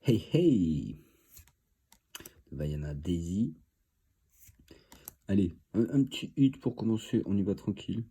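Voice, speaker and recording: A man's voice: low voice, lively intonation, takes it slowly, long pauses, mellow, slightly rough. A man with a cold and a stuffy voice, chatting casually as he opens trading card packs, thinking aloud with lots of fillers. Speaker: card-opening video host. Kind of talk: casual commentary while opening card boosters.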